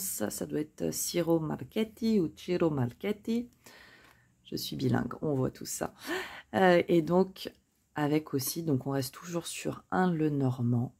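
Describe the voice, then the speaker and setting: Laying out tarot cards for viewers, a woman speaks casually in a warm, fairly low voice with vocal fry. As a card reader she is chatty and self-joking, often hesitating and leaning on fillers.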